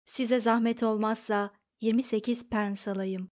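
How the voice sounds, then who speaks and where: A woman's voice: on the high side, fairly even intonation, unhurried, a little mellow, close to an everyday voice. A woman voicing a polite, deferential male barman in an audiobook. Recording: dull lo-fi recording.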